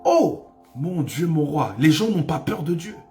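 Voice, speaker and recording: A man's voice: fairly high pitch, big pitch swings, unhurried, a little mellow, faint music behind. A man preaching a sermon as pastor, with impassioned delivery that rises to cries and repeats phrases for emphasis.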